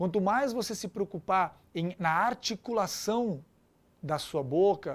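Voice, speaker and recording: A man speaks at a fairly slow pace with a high pitch. His pitch varies in an ordinary way, and the recording is very clean with a silent background. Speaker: content marketing coach. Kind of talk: tutorial. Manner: animated.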